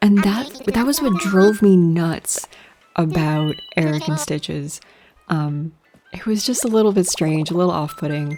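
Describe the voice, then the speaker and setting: Quiet and whispering, a woman speaks at a fairly slow pace with long, frequent pauses. Music plays in the background. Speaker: gaming YouTuber. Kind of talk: casual gameplay commentary. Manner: whispered, quiet.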